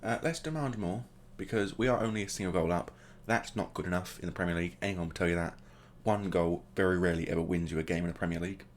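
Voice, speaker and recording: A man's voice: low-pitched, quick pace, hardly any pauses, a little hiss or hum. A man hosting a gaming video, casually commentating the play as it happens and adding joking asides. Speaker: gaming channel host.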